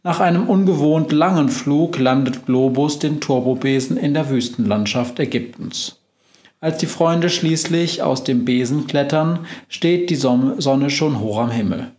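A man reading a children's story aloud in a measured, expressive way. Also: on the high side, reverberant. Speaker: narrator.

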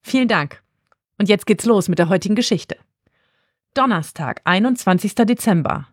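Brief: female podcast narrator, clear and even storytelling, dry studio recording. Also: mid-range voice, moderate pace, no echo.

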